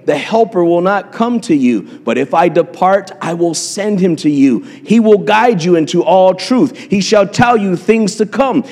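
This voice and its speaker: A man delivers a sermon in a church, pressing his points again and again with fillers and restarts. His voice sits fairly high for a man. The church hall rings with a long reverb around him. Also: darkish tone. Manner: impassioned, repetitive preaching with frequent fillers. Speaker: pastor.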